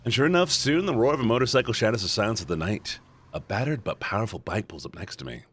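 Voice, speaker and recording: Man streamer narrating to chat: deep, gravelly, lively, playful. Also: quick pace. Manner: animated, playful, shouting at times. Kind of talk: reading a visual novel aloud to chat.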